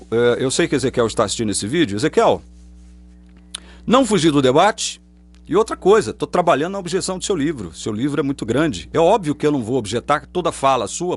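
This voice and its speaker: A slightly high, slightly rough male voice carries this confrontational religious monologue full of rhetorical questions. The speaker, an online preacher with a Brazilian Portuguese accent, addresses the camera through a webcam or phone facing him.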